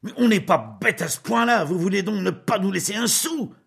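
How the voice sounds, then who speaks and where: A man voicing an angry, greedy young husband who shouts indignantly in an audiobook. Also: high-pitched, expressive, moderate pace, creaky, slightly rough, voice pushed up, exaggerated voice. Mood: furious shouting.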